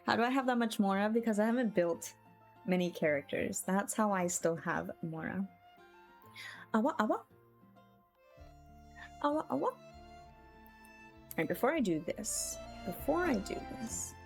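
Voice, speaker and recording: A woman's voice: medium pitch, animated, moderate pace, creaky. A woman streaming a video game and chatting casually with her viewers in a playful, giggly way. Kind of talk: casual live-stream chat. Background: faint game music.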